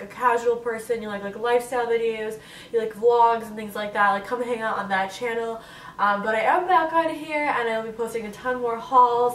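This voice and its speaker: A woman's voice: on the high side, fairly bright tone, roomy sound, distant mic, a little hiss or hum, rough recording. A young woman in her twenties with a stuffy, congested nose, chatting casually to camera in a Q&A vlog and filling her talk with "like". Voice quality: nasal. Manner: chatty, full of "like" fillers. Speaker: vlogger. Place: bedroom, on her bed.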